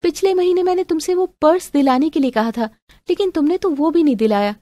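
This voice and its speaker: A woman's voice: sits high, a little fast, mellow, no echo, voice pushed up, close to an everyday voice. A woman voicing a spoiled, demanding, pouty young girlfriend in an acted family drama story. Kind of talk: melodramatic audio story acting.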